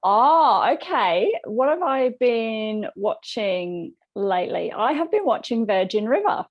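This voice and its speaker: A middle-aged woman from England with an English accent tinged by Australia, a coach talking calmly and reflectively in a casual interview. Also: on the high side, slow, muffled recording. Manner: calm, reflective, gentle. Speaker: boundaries coach and guest.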